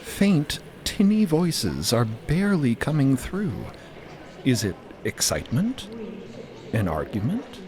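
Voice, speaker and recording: A man's voice: medium pitch, wildly swooping pitch, slow, a crowd in the background. A man narrating a scripted audio drama in a dramatic style. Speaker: podcast narrator. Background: music.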